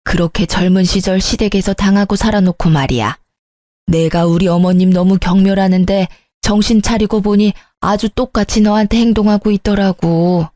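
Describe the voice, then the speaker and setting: An older grandmother past sixty, softened and remorseful, cooing over a baby and gruffly owning her mistakes, as a woman narrator puts her on. Her tone is warm and mellow, set in a dry, close recording for a spoken story. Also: medium pitch, moderate pace, dry recording, lightly acted. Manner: doting baby talk, then gruff apology.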